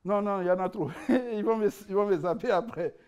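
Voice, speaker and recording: A man giving a conference lecture, animated and joking, often repeating words as he searches for the right phrasing. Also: high-pitched, a little fast, smooth. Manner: animated, jokes, laughs at own asides. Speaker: conference speaker presenting his book.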